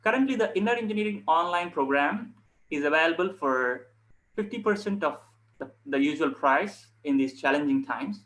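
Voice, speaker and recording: Higher-pitched man, earnest yoga instructor. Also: animated, moderate pace, a bit bright, rough recording. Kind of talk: informal instructional talk to online viewers.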